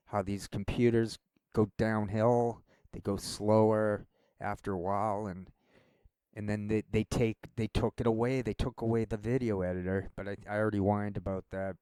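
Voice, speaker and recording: A man's voice: lowish voice, a little mellow, clean tone, no room sound. A man talking casually to his channel in a rambling, self-deprecating way, often stopping and restarting his sentences. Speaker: channel host.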